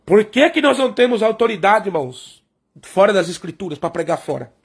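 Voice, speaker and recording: The preacher is a man whose high voice carries lively intonation and a breathy edge, moving fairly quickly. He explains by questioning and then answering himself. His congregation is called brothers and sisters over and over.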